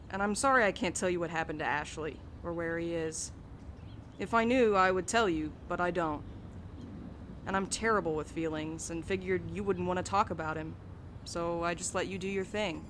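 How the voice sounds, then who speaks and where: A woman's voice: fairly low pitch, normal speed, slight background noise, close to an everyday voice. A woman playing a blunt, bantering mail carrier who is bad with feelings, in an audio drama. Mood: blunt, earnest. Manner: blunt, casual, teasing. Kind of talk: naturalistic audio drama dialogue.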